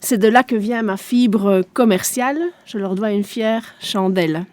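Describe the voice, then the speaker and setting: A woman's voice: medium pitch, measured pace, darkish tone, no echo. A woman in her forties, a native German speaker from eastern Belgium, answering radio interview questions in a composed, businesslike way. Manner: composed, businesslike, explains with figures. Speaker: guest, shopping centre director.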